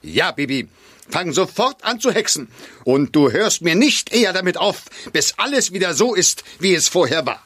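A man's voice: high-pitched, very animated, normal speed, a bit bright, husky, no room sound, full character voice. A man playing a grumpy, self-pitying, pompous father in a children's audio drama. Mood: commanding. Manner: pompous, theatrical.

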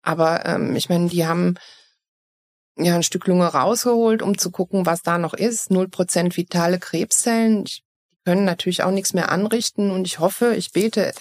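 A woman's voice: on the low side, normal speed, a little mellow. A woman from Eupen in Belgium with an East Belgian German accent, a guest talking openly and reflectively in an interview, often restarting her sentences. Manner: frank, reflective, with many restarts. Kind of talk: personal interview conversation. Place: Cologne.

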